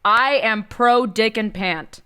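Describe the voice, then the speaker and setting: A woman's voice: a little high, slow, pushed and bright, clear, resonant tone. A woman co-hosting a podcast, chatting and telling stories in a playful, irreverent way, with bits of Spanish slang mixed in. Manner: bilingual, drops Spanish slang into English. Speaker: podcast co-host. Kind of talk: casual comedic storytelling chat.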